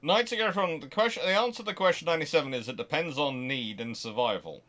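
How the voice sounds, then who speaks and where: A man's voice: a little high, quick pace, pushed and bright. A man hosting a casual question-and-answer session, chatty and digressive, often posing rhetorical questions as he explains. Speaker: host answering viewer questions. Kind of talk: casual live Q&A on naval history.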